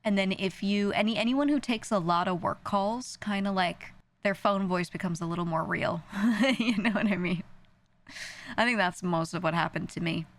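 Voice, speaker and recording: A woman's voice: medium pitch, normal speed. A young woman with a New York accent, chatting casually on a stream, rambling and self-deprecating with frequent laughs. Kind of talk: casual stream chat answering viewers.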